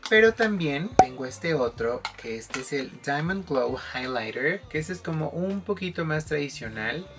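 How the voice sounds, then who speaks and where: A man's voice: on the high side, animated, measured pace, a bit bright, faint music behind. Chatty male makeup vlogger. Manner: chatty, affectionate, mixes in English phrases. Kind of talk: casual makeup tutorial.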